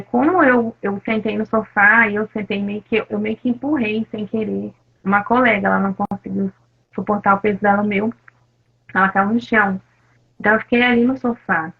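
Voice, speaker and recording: A Brazilian woman giving a halting, soft personal testimony in an interview, with many fillers. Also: medium pitch, vocal fry, husky. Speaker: interview guest, attack survivor. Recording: phone-like narrow sound.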